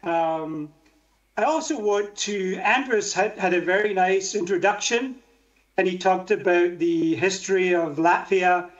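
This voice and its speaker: Older scottish highlander on a video call, high pitched, muffled audio, keeps asking the room questions. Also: male voice, roomy sound. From Scotland. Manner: interactive, asks the audience questions. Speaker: keynote speaker. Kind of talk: conference keynote over video link.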